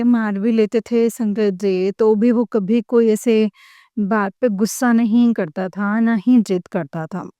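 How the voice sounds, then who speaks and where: A middle-aged woman from Punjab gives a devotional testimony. She is tearful, talks in a slow, repetitive way and keeps addressing the congregation. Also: medium pitch, dark tone, clear, resonant tone, dry recording, clean studio sound. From Punjab, India.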